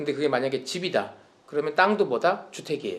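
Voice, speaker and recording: A man is speaking. His pace is fairly quick. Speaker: real estate tax instructor. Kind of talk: lecture. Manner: fast.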